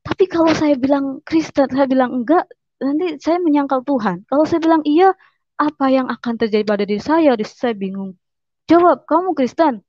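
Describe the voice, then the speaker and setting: A woman with a fairly high voice tells her own story as a personal testimony. She speaks earnestly, stumbling and repeating words as she gathers her thoughts. The sound is dull and very dry. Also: moderate pace, darkish tone, no echo. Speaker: convert giving testimony.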